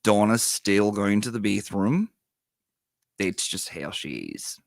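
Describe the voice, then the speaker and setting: A man's voice: fairly low pitch, animated, takes it slowly, vocal fry, dry recording, studio quality. A man with whistling s sounds, chatting casually as a livestream host and reading out viewer messages.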